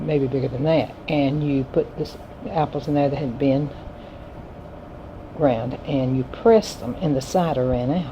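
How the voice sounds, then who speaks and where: A woman with a North Carolina accent talks at a fairly slow pace in a very deep, low pitch with ordinary pitch variation and long, frequent pauses, over noticeable background noise. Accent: Southern US, North Carolina. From Yadkin County, North Carolina, USA. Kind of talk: personal memoir recollection, spoken oral history. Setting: handheld cassette recorder.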